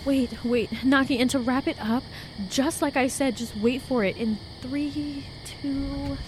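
High-voiced, wary young woman. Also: fairly even intonation, a little slow, background noise. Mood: keyed up. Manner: slangy, blunt. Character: wary, sharp-eyed, outspoken young woman lost in woods. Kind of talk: audio drama acting, casual dialogue. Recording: faint outdoor night ambience with crickets.

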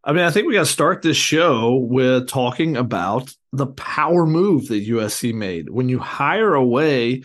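Hoarse guy on a sports podcast, voice still coming back, rambles a lot with ums. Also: medium pitch, animated, measured pace, few pauses, fairly bright tone. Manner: rambling, many fillers. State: hoarse, recovering lost voice. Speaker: podcast co-host. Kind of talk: casual sports podcast chat.

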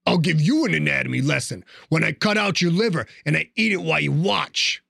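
A man's voice: on the high side, lively intonation, a little fast, creaky, a bit bright, dry recording, clean studio sound, exaggerated voice. A man doing a snarling werewolf. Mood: menacing. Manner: snarling, threatening. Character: vicious male werewolf, snarling and threatening.

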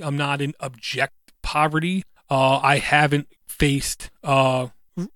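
A man's voice: fairly high pitch, a bit bright, dry recording, clean studio sound. A man in his thirties hosting a solo podcast, earnest and reflective, with a slight speech impediment that brings out an occasional stutter. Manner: earnest, reflective, halting with fillers. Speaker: podcast host.

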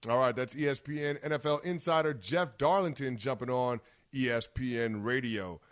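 A man in his thirties co-hosting a sports radio show, brash and playful with lively trash talk. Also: medium pitch, moderate pace, no room sound, clean studio sound. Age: 30s.

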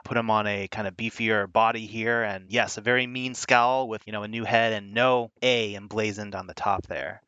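Bright, crisp man explaining toys. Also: on the low side, steady tone, no room sound, dull audio. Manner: measured, informative. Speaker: toy brand guest. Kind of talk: casual podcast interview.

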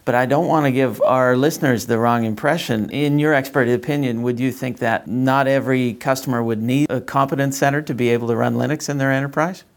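A man's voice: medium pitch, fairly even intonation, a little fast, few pauses. A man acting as interviewer, putting questions and comments to guests in a conversational style.

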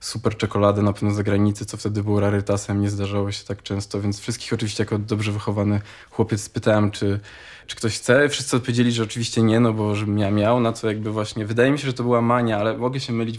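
A man from Poland, around forty, recalling family memories in a halting, thinking-aloud way. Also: lowish voice, darkish tone. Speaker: interviewee, relative of former scouts. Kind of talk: personal reminiscence.

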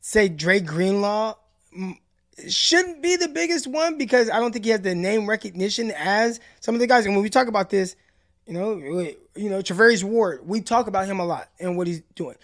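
A man co-hosting a sports podcast, talking in a passionate, deliberate and emphatic way. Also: high-pitched, lively intonation, fairly bright tone. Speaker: podcast co-host. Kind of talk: casual sports chat.

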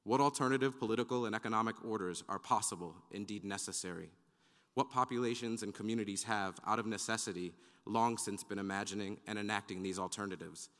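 Male panelist, lowish voice, measured formal reading, long hall reverb. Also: a bit bright. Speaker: conference panelist. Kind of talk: reading prepared academic remarks.

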